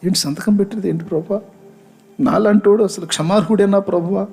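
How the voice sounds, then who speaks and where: A man's voice: high-pitched, fairly quick, gravelly, darkish tone, slightly rough, faint music behind, voice pushed up, full character voice. A preacher voicing a self-loathing male sinner who whines and begs to be punished. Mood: pleading. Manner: whining, begging, overwrought.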